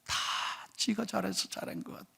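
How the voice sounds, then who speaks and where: A middle-aged male pastor delivers an animated sermon at a fairly quick clip. He acts out complaints and leads the scripture reading.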